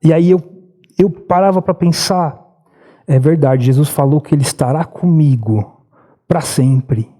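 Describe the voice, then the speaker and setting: Brazilian guy preaching a sermon in church, pretty high voice but warm and dark, earnest storyteller. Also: a little slow. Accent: Brazilian Portuguese. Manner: earnest storytelling preacher, rises in pitch when urging. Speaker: pastor. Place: church sanctuary.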